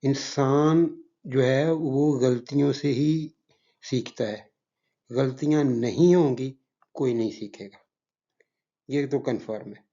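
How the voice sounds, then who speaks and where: A man's voice: medium pitch, warm tone. A man from Pakistan, a teacher, giving earnest and modest advice to his students at the end of a lesson. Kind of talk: lesson closing remarks to students. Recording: slightly muffled lo-fi recording.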